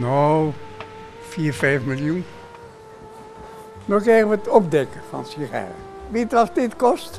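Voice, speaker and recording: Very wide pitch swings at a very slow pace, with long, frequent pauses and faint music in the background. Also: man, fairly high pitch for a man. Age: 80s+. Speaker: cigar maker. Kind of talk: interview and workplace demonstration.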